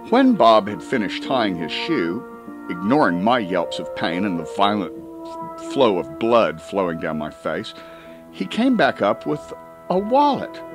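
A male narrator reads a comic story in the first person. His middle-pitched voice swings widely and expressively, leaning hard on words and stretching some out. Music plays behind him. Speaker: audiobook reader.

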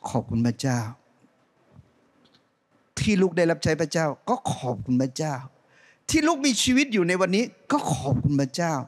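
A middle-aged male pastor preaches from a church stage, holding a handheld mic. His voice sits fairly high for a man and leaps around a great deal, rising to loud calls and dropping to quiet asides. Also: moderate pace, pauses often. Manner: animated preaching, swinging between loud rising calls and soft low asides. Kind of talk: sermon.

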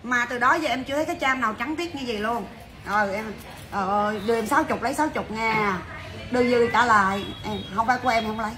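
A woman selling jewelry on a livestream, chatty and brisk, calling out to viewers. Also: fairly high pitch, noisy background. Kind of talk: fast livestream sales patter. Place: jewelry shop.

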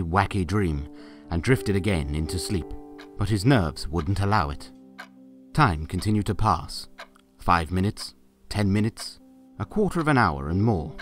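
A man tells the story in a playful storybook manner and drops wry, jokey asides. His voice is somewhat low, but his pitch rises and falls a lot. Soft music plays underneath. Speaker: narrator.

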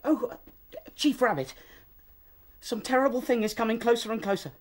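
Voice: mid-range voice, expressive, normal speed, lightly acted. A performer playing a small, anxious young male rabbit seer in a radio drama, urgent and fearful. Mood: haunted.

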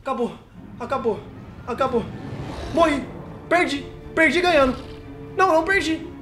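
High-voiced panicky young man gaming. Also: moderate pace, fairly bright tone, faint music behind. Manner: panicky, repeats phrases over and over, shrieks when scared. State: shaky and sweating from fear. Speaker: gamer streamer. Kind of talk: horror game let's play commentary.

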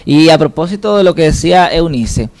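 Casting: Dominican Caribbean-accented man, higher-pitched, emphatic studio guest who often checks listeners follow. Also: animated, brisk, a little mellow. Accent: Dominican Caribbean Spanish. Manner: emphatic, with repeated check questions. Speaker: studio guest presenting an anniversary campaign. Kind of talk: animated interview talk. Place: indoor TV studio. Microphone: handheld microphone.

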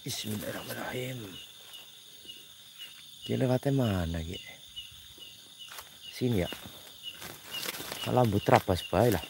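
A man's voice: on the low side, slow pace, vocal fry, long pauses, noisy background. Nervous man muttering prayers outdoors. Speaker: ghost-hunting vlogger. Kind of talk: casual night exploration vlog. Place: outdoors at night in rough terrain.

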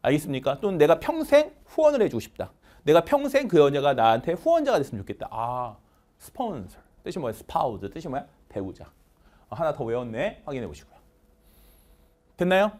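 A man teaching English vocabulary in an online lecture, animated and leading chanted word drills. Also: fairly high pitch, fast talker.

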